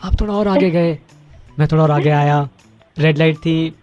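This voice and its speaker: A man making a flirtatious prank phone call, smoothly switching between English and Hindi. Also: on the high side, moderate pace, a little mellow, faint music behind. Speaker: prank caller.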